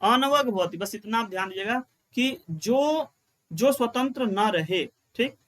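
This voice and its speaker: Man, teacher, high pitched voice, exam-prep grammar lesson, repeats himself, asks and answers his own questions. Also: expressive, a bit bright. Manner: chants rules in a slow sing-song.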